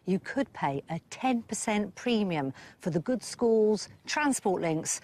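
A woman presenting a property show outdoors in the countryside, upbeat and chatty, on a lapel mic. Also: mid-range voice. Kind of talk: presenting to camera.

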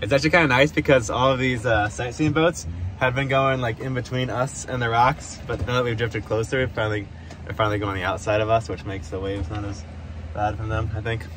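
Chill guy in his 30s vlogging, deeper-middle normal voice, lots of boat and water noise behind him. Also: steady tone, a little fast. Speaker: sailing vlogger. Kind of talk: casual vlog narration. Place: outdoors on a small sailboat at sea. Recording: noisy boat outdoors, engine and water.

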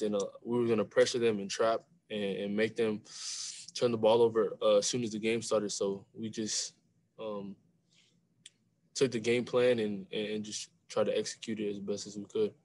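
A young man speaks quietly in a low, flat voice, answering press questions after a game. He often repeats a word or two before getting his thought out. The sound comes through a webcam on a video call from a small room. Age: young adult. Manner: soft-spoken, repeats words when starting phrases. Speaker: college basketball player. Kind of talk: postgame press conference. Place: small room with a sponsor backdrop.

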